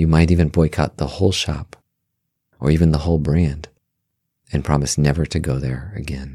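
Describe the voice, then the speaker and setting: With long, frequent pauses and a moderate pace, a man speaks in a very deep, low pitch, his dark, mellow voice showing vocal fry and a fairly even intonation. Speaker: podcast host and meditation teacher.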